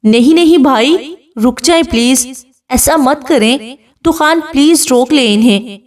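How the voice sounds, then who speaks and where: A woman's voice: high-pitched, pitched above the performer's own voice, close to an everyday voice. A woman reading as a frightened young bride. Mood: pleading. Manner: pleading, tearful. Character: young bride, defiant then pleading.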